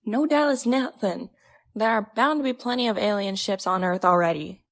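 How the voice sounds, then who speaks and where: A woman's voice: medium pitch, moderate pace, dry recording, close to an everyday voice. A woman playing a casual, stubbornly optimistic young woman in an audio drama, folksy and informal. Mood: insistent.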